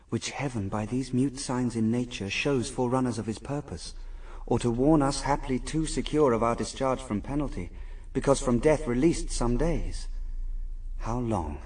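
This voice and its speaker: A man's voice: mid-range voice, a little slow, darkish tone, breathy edge, recorded from a distance, low-quality recording. An actor playing the first man, an earnest and reverent husband, speaking solemn verse in a radio drama. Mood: troubled.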